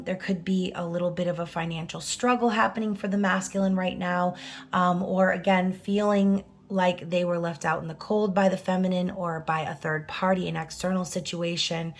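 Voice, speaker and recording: A woman doing a casual tarot reading, her voice hoarse and scratchy, who talks in a chatty way, tags her lines with "okay?" and "right?" and swears now and then. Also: lowish voice. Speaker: tarot reader.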